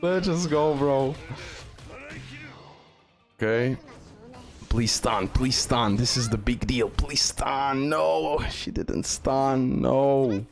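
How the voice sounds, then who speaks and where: A man's voice: medium pitch, drawn-out words, creaky, pauses often, soft background music. A man giving casual, unscripted gameplay commentary as a video host, often repeating short phrases over and over.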